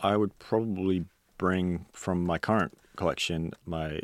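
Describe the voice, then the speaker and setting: An Australian-accented man speaks at a fairly slow pace with a very deep, low pitch and fairly even intonation. The recording is very clean with a silent background and a dry, close sound with no echo. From Australia (Brisbane). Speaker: music producer and guitarist. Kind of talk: casual interview chat. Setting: studio.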